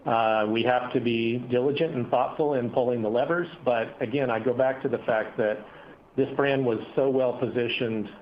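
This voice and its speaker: A man speaking as a company executive, answering analysts on an earnings call in measured corporate phrasing with hesitant pauses. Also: mid-range voice, fairly even intonation. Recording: dull, noisy conference call audio.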